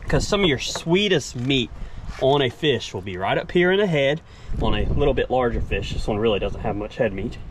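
A man, casually explaining each step as he works, like a vlogger teaching. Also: medium pitch. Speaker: fishing and cooking vlogger. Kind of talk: casual instructional narration while working. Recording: noisy action-camera audio, outdoors and kitchen.

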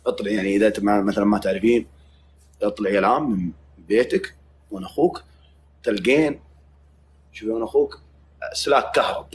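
A man's voice: lowish voice, fast, long pauses, slight background noise. A man with a Saudi accent hosting a livestream, chatting casually with joking, mock-threatening banter. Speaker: livestream host.

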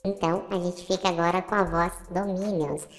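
A man's voice: sits high, little pitch movement, moderate pace, faint music behind. Man as voice-changed cartoon Minion creature. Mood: playful demo. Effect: real-time voice changer.

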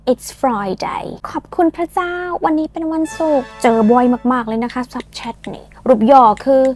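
A woman from Thailand, speaking, teaches English phrases in a playful, teasing way and drills slow, drawn-out pronunciation. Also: high voice, lively intonation, a little mellow, soft background music. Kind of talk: lesson with repeat-after-me drills.

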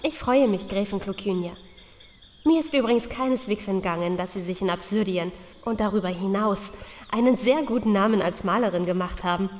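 An actress playing a gracious royal wife in an audio drama, courteous and formal. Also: female voice, mid-range voice, fairly quick, a little mellow, natural voice. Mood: complimentary. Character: gracious maharani, fashion designer and royal wife. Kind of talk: German audio drama acting. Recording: reverberant hall, faint noise.

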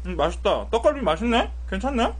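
A man's voice: high voice, sing-song, quick pace. A man in his thirties with his mouth full of rice, streaming a food broadcast and teasing his chat with sarcastic answers. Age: 30s. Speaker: mukbang streamer. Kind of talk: casual live-stream chat while eating.

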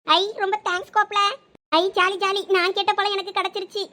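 Actress as playful young wife, very high and fast, bubbly village drama role. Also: female voice, level tone, bright, forceful tone, slight background noise. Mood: delighted. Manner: bubbly, quick-talking. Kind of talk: village web-series acting.

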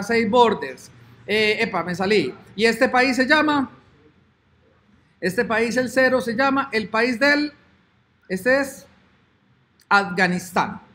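A man's voice: very high voice, a bit bright. A man teaching a programming lesson, chatting and thinking aloud as he works through code on screen. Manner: chatty, thinks aloud, hums "ta ta ta" while waiting. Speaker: programming instructor. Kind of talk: screen-recorded coding lesson.

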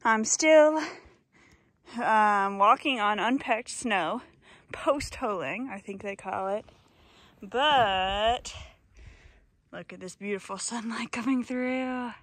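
Breathy-paced, slow young woman vlogging outdoors. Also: on the high side, fairly bright tone, no room sound. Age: young adult. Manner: musing, halting, pausing between short phrases. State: somewhat out of breath. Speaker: solo hiking vlogger. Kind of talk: casual vlog chat to camera while hiking. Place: outdoors on a snowy mountain trail. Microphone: handheld phone at arm's length.

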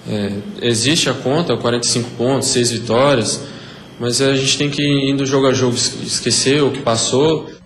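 20s footballer talking into press mics, lots of ums, echoey. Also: male voice, medium pitch, fairly even intonation, slight background noise. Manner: halting, casual answers. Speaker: football player. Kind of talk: press interview answers. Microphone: cluster of press mics. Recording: roomy interview sound.

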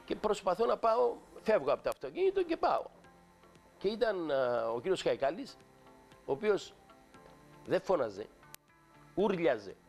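A man's voice: high voice, big pitch swings, a little mellow, soft background music. An older man with a Cypriot accent, a guest actor telling an indignant, emphatic story on a talk show and acting out the dialogue.

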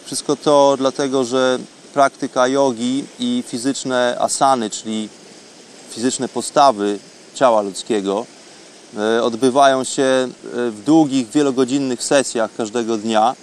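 A man hosting a programme gives an unscripted, diary-style monologue in a medium-pitched, steady voice. His phrasing is halting and reflective, and faint ambient noise sits behind him.

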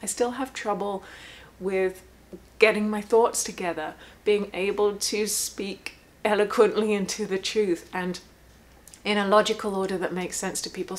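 A woman who works as a therapist, talking candidly at home in a rambling, reflective way with sarcastic asides. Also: fairly low pitch. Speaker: therapist and channel host. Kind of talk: casual reflective monologue. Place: home room.

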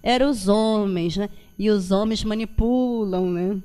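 A woman's voice: medium pitch, unhurried, mellow. A woman from Rio de giving an informal, reflective religious talk, often adding little checking tags. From Brazil. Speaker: guest lecturer at a Spiritist centre. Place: meeting hall with projection screen.

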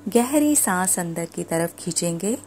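A woman guiding a meditation in a soothing, deliberate manner. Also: lowish voice, animated, darkish tone, a little hiss or hum. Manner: soothing, deliberate, repetitive instruction. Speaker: meditation guide. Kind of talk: guided meditation narration. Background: background music.

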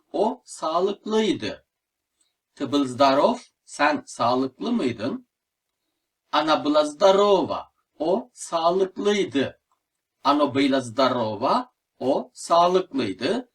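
A man teaching a language lesson, slowly repeating each word and then translating it, often calling his listeners friends. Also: medium pitch, fairly bright tone, breathy edge, distant mic. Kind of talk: slow, deliberate lesson narration.

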